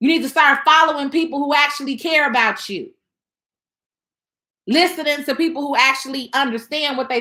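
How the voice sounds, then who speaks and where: A woman projects a raised, high-pitched voice with a bright, sharp, animated tone at a moderate pace, on a very clean recording with a silent background. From Chicago, US Midwest. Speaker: financial coach and business owner. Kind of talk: live stream talk to viewers. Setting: live stream on TikTok and YouTube. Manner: casual, streetwise speech.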